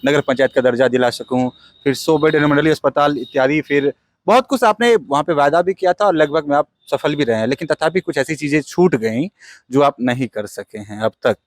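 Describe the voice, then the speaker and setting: A man's voice: a little high, a little fast, no room sound. A man interviewing as a journalist, putting long, wordy political questions. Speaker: news interviewer.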